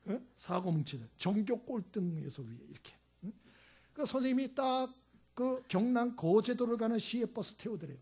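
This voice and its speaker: A male pastor preaches a sermon in a high, breathy voice. He is emphatic, swinging between loud exclamations and quiet hushed asides. He acts out the voices in his stories as he tells them. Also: sing-song, normal speed. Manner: tells anecdotes acting out voices.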